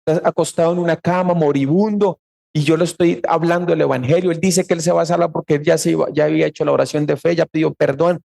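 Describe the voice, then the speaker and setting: Gravelly-voiced Costa Rican pastor preaching. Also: male voice, a little high, fairly even intonation, fast, dark tone. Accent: Costa Rican Spanish. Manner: earnest storytelling, quoting people in raised voice. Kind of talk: sermon with personal story.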